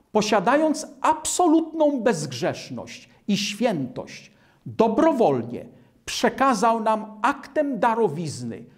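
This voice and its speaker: Slow, animated older man preaching. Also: sits high. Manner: slow, measured preaching with lively intonation. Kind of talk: sermon. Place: studio in front of a starry-sky backdrop.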